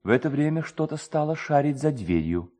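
A man narrating a literary tale as an expressive storyteller. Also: fairly high pitch, brisk.

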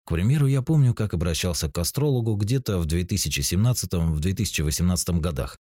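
A man in his forties calmly explaining spiritual ideas, speaking straight to the listener as narrator of a self-help book. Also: sits low, fast, no echo, studio quality. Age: 40s. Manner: calm, explanatory, addresses the listener directly.

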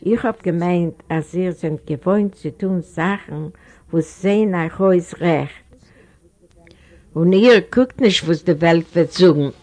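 Earnest young heroine, hesitant, slightly gravelly, woman reader doing her, storybook. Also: lowish voice. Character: young woman, shy and bold by turns.

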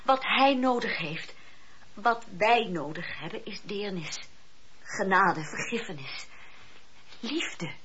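A woman playing an earnest, compassionate and questioning devout lady in a Dutch radio play, with deliberate, emphatic phrasing. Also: medium pitch, lively intonation, fairly bright tone. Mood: pleading. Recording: dull old radio recording with hiss.

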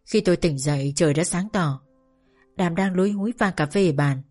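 A woman reads a novel aloud in a calm, measured way, her voice sitting a little low. Faint music runs softly under the narration. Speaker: audiobook narrator. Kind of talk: scripted narration.

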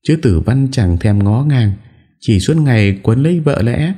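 A man's voice: rumbling low, lively intonation, unhurried, creaky, dark tone, full character voice. A man voicing a scheming young wife who whines through sobs in a storybook reading. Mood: tearful whining. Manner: whiny, sobbing complaint.

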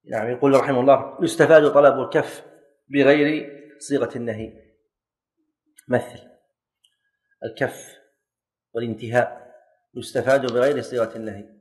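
A man gives a classroom lesson. He quizzes his students, corrects them and jokes lightly. His voice is mid-pitched. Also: fairly even intonation, moderate pace, pauses often, a little mellow. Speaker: teacher of Islamic jurisprudence.

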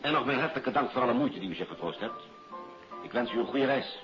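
An actor playing a polite, businesslike police investigator in a 1950s Dutch radio play. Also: male voice, mid-range voice, animated, quick pace, lightly acted. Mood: courteous. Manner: formal, courteous, matter-of-fact. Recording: dull old radio recording, music behind.

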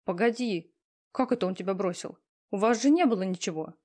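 A woman voicing a hurt, tearful young woman who answers slowly and stubbornly. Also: mid-range voice, a little mellow, close to an everyday voice. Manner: slow, subdued, stubborn replies. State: tearful, sniffling.

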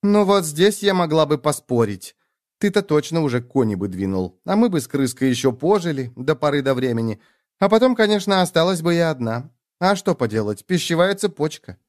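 A man voicing a sharp-tongued, angry young woman in an audiobook, sarcastic and swearing. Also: a little high, big pitch swings, a little fast, voice pushed up. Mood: mocking.

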